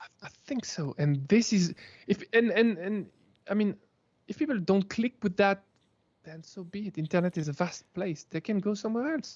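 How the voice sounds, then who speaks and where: Using lively intonation and big swings in loudness, a man speaks at a high pitch and a moderate pace. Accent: strong French. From France. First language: French. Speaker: YouTube cooking creator. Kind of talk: casual interview chat. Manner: halting, many restarts.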